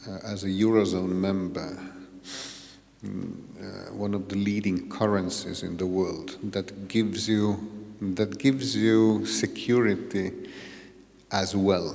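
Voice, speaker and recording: A man speaks at a very slow pace, with long, frequent pauses and big swings in loudness. His fairly low voice carries audible room echo. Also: fairly even intonation. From Estonia. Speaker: ambassador. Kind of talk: lecture. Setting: university hall with audience. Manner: halting.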